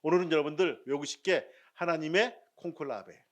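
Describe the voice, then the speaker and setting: A male pastor delivers a Sunday sermon in a somewhat high voice. He quizzes and teases his congregation, and he alternates booming emphasis with soft asides. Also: brisk. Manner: asks the congregation questions and jokes with them; swings between loud emphasis and quiet asides.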